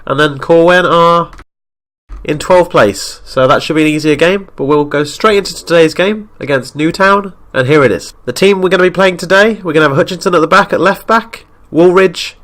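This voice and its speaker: Stuffy-nosed man calling game highlights. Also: normal speed. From Wales. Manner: excitable play-by-play, shouts at near misses. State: stuffy nose from a cold. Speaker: gaming YouTuber. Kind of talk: game commentary.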